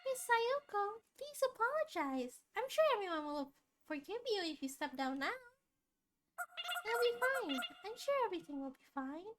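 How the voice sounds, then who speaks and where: A woman voicing a timid, sweet young girl from a visual novel, soft and pleading. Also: sing-song, normal speed, noisy background. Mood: pleading, gentle. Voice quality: soft, very high, cute. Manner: hesitant, gentle.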